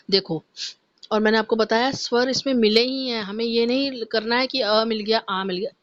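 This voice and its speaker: A woman's voice: a little high, a little slow, pauses often, a bit bright, dry recording. A woman teaching a Sanskrit class to young pupils online. She talks patiently and spells out each syllable. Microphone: online class recording. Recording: dull, dry lo-fi sound.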